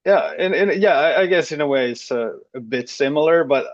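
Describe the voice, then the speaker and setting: A man in his thirties hosting a podcast interview, speaking in a hesitant, halting way with frequent repeats. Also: fairly high pitch, lively intonation, no room sound, muffled recording. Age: 30s. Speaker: podcast host. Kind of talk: casual interview talk.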